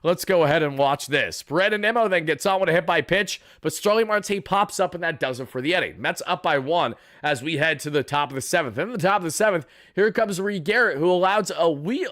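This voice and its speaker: A young man, hoarse from yelling, chatting through a baseball game recap for live viewers in a casual, boastful way. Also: on the high side, lively intonation, brisk, hardly any pauses, no room sound, clean studio sound. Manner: chatty, boastful fan banter. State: raspy from yelling. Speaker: sports fan channel host.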